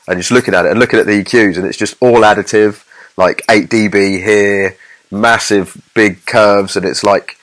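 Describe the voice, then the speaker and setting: A man's voice: sits low, a bit bright, rough recording. A man co-hosting a podcast as a mix engineer, giving casual technical explanations in an informal, rambling way full of examples.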